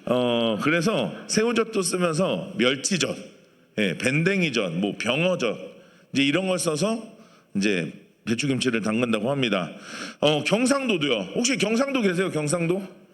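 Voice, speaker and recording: A pastor addresses his congregation in a sermon, chatting with them and asking questions of those in the pews. He speaks at a normal speed in a slightly high, sing-song voice, and the church sanctuary lends the recording a long hall reverb.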